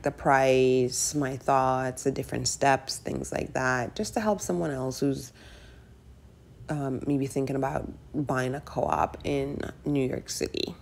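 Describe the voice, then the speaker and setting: Narrating over her screen recording, a thirties-aged personal finance vlogger talks in a relaxed, frank, conversational way, leaning on words such as "like" and "right." Her tone is low, rough and somewhat dark.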